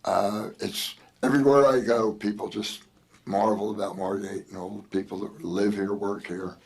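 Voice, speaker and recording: Hoarse New Jersey mayor, folksy and jokey, low gravelly voice, unhurried. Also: male voice, fairly even intonation, a little mellow. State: losing his voice. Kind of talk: chairing a town meeting.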